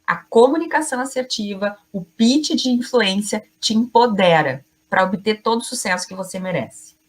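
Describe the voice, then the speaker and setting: A woman's voice: mid-range voice, lively intonation. Emphatic woman coaching her class. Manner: emphatic, addresses the audience directly and often; deliberate pauses between short phrases. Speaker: communication coach. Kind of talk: online class lecture.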